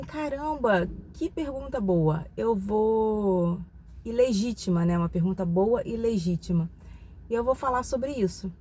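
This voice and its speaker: A woman's voice: mid-range voice, mellow, a little hiss or hum. A Brazilian woman in her forties, talking to her viewers in a reflective, confiding way with many tag questions. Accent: Brazilian Portuguese. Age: 40s. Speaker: channel host. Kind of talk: casual personal vlog talk.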